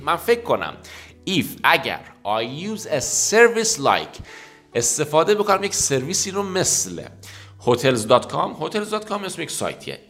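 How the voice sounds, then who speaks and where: Lively male English teacher. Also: medium pitch. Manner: lively, repeats words slowly then explains quickly. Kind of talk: language lesson, reading slowly and translating.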